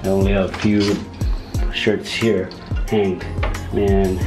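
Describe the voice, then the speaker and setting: With clear music playing behind him, a man talks at a fairly slow pace and with ordinary pitch variation. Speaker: vlogger. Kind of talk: casual vlog chat. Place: home room. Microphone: phone near.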